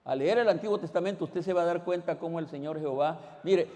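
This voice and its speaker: A man preaching a sermon as pastor. He questions the congregation directly and swings between loud exclamations and quiet asides. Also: fairly high pitch, fast. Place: church. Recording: long reverb in a church hall.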